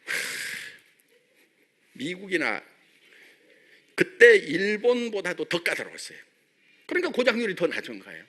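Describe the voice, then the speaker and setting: Middle-aged guy from jeolla, company boss doing a jokey pep talk on stage, high voice, sharp tone. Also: a little slow, long pauses. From Jeolla, South Korea. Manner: animated, joking, peppered with rhetorical questions. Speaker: company chairman addressing members. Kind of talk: motivational stage speech.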